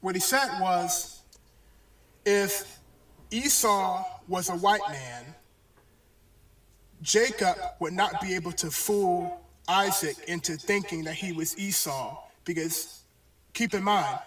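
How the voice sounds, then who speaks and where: A man's voice: sits high, fairly bright tone. Brief: male bible teacher, hesitant delivery with frequent fillers, roomy echoey distant sound. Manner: halting, many pauses and fillers. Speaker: religious teacher. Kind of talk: bible lesson video. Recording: echoey, distant video playback.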